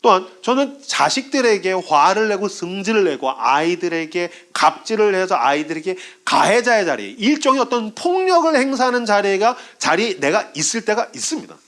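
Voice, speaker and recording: A man's voice: sits high, big pitch swings, normal speed, few pauses, fairly bright tone. A man preaching a sermon as pastor, telling stories and acting out the voices of people in his examples. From South Korea.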